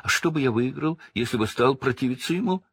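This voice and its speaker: A man's voice: mid-range voice, lively intonation, fast, fairly bright tone, breathy edge, no echo, studio quality, pitched above the performer's own voice. A man voicing a cowering, sniveling middle-aged wizard who whines and pleads. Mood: pleading. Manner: whining, pleading.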